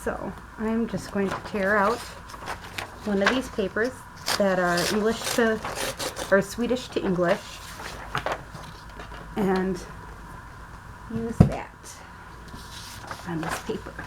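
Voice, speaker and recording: A woman's voice: mid-range voice, steady tone. A woman narrating a casual craft tutorial, thinking aloud as she works at a table at home, her voice sometimes turning away from the camera mic. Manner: slow, thinking aloud while working. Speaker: craft vlogger. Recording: audible background noise.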